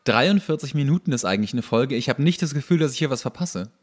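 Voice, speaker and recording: A man's voice: mid-range voice, animated, quick pace. A man co-hosting a podcast, making casual reaction commentary in a dry, mocking way. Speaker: podcast co-host.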